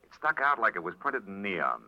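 Wry hard-boiled detective, really low voice, old muffled radio show. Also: male voice, very animated, sharp tone, no room sound, heavily acted. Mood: explaining, wry. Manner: wry, terse, measured delivery. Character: hard-boiled private detective, adult man, wry, world-weary, reflective. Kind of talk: 1940s radio detective drama acting and narration. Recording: muffled vintage radio recording, faint music.

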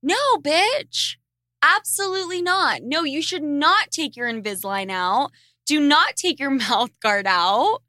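A young woman from an Argentine family hosts a casual podcast, reading listener questions aloud and answering bluntly with crude jokes, laughing often as she talks. Her high, animated voice sounds pushed and bright, a little slow. The recording is dry and studio quality.

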